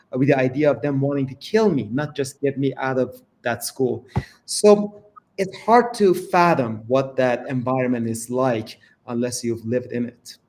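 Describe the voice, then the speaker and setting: A man's voice: mid-range voice, darkish tone. A middle-aged man from Iran, a guest author speaking earnestly in an interview and growing emphatic about injustice. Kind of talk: interview conversation.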